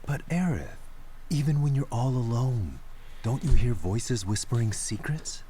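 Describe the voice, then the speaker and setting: A man's voice: medium pitch, mellow, slight background noise, natural voice. A male actor playing a formal, persuasive corporate agent with ulterior motives in a dramatic video game. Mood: coaxing. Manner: formal, measured wording.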